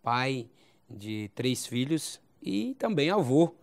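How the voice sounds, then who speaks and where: A man in his forties with a Brazilian accent from Goiás, a pastor telling his life story as a guest in an interview, with a halting style that often repeats phrases and adds "né?". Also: mid-range voice, big pitch swings. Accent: Brazilian Portuguese, Goiás. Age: 40s. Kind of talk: recounting a personal testimony.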